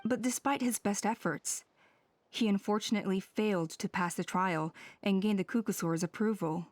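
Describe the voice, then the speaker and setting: An actress playing a composed, cautious female tribal elder in a video game, measured and authoritative. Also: medium pitch, no room sound, natural voice. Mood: calm, recounting. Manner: measured, explanatory. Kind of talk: game voice acting.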